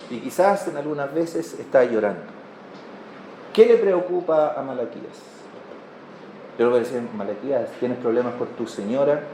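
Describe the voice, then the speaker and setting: A man's voice: on the high side, gravelly, a little mellow. A man with a Chilean accent preaching a sermon, telling stories and putting rhetorical questions to his congregation. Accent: Chilean Spanish. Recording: echoey room with faint background noise.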